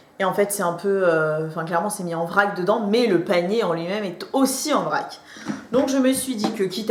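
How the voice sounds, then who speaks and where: The speech moves at a moderate pace with ordinary pitch variation. Audible room echo and noticeable background noise are present. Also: woman. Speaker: vlogger, working mum. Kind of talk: casual haul video chat.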